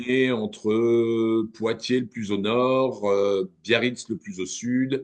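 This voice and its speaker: Very slowly, a man speaks at a medium pitch with fairly even intonation. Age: 60s. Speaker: business owner. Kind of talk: interview. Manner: halting.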